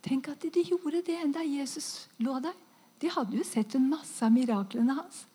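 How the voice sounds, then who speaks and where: A woman giving an emotional faith testimony, dropping to whispers and bursting into loud praise as she tells her story. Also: high-pitched. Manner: fervent, exclaims praise often.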